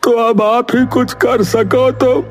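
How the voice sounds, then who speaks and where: A man playing a poor, desperate father in an animated moral story, speaking slowly and humbly as he begs. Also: very high voice, faint music behind. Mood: pleading, distressed. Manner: slow, pleading.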